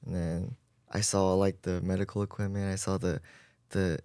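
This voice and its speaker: A twenty-year-old man talks casually as a podcast guest, his low voice wandering through long rambling sentences full of "like". The sound is close and dry, with no room around it. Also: flat delivery, normal speed, dark tone, clean tone, dry recording. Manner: rambling, lots of "like". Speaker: guest volunteer.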